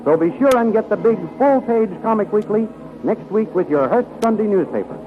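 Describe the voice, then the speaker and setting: High-pitched vintage radio announcer, man. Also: animated, moderate pace, music in the background. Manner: emphatic, formal. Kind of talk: 1930s radio announcing, scripted narration. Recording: muffled 1930s radio recording.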